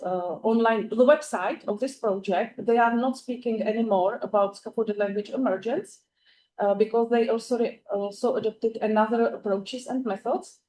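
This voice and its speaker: A Czech-accented woman presents a paper at a conference, in a fairly high but mellow, warm voice. She pauses often on "uh" and picks her words with care. A faint noise sits under the recording. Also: rough recording. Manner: frequent "uh" fillers, careful non-native phrasing. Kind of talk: academic conference talk.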